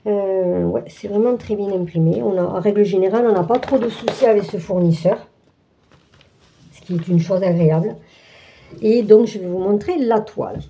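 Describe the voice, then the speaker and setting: A woman talks her viewers through an unboxing in a loose, chatty way, full of hesitations and restarts. Her voice is very dark and mellow at a middling pitch. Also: moderate pace, a little hiss or hum. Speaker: craft channel host. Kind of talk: casual unboxing walkthrough.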